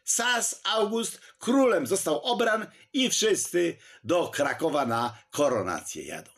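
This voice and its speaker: A man's voice: fairly high pitch, sing-song, slow pace, fairly bright tone, pitched above the performer's own voice, heavily acted. A man voicing an agitated old-time nobleman. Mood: urgent. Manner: urgent, declaiming. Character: agitated nobleman bringing bad news.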